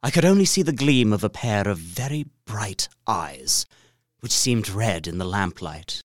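An uneasy gentleman traveller, sweeping expressive delivery. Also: fairly low pitch, dry recording, clean studio sound. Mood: fearful awe. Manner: literary, deliberate, expressive storytelling. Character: earnest, uneasy gentleman traveller recounting his journal. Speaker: actor narrating a journal. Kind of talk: dramatic gothic audio drama narration.

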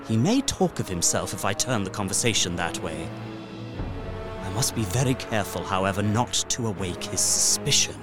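An actor as an uneasy, animated young gentleman diarist. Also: medium pitch, natural voice. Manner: formal, dramatic, anxious. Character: uneasy young English solicitor writing his journal. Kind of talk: dramatised journal narration in an audio drama.

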